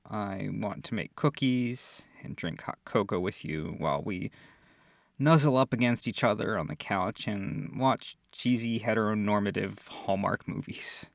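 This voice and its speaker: A man playing a gentle, affectionate boyfriend in an intimate ASMR comfort roleplay, speaking softly, tenderly and reassuringly. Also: lowish voice, creaky, no room sound, studio quality, exaggerated voice. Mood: playful, affectionate. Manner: soft, tender, unhurried, reassuring.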